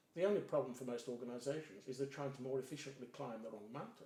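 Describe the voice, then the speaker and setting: Noticeable background noise sits behind this recording. A man speaks over it at a very fast pace. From English Midlands. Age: 70s. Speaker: strengths coach and author. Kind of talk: interview conversation.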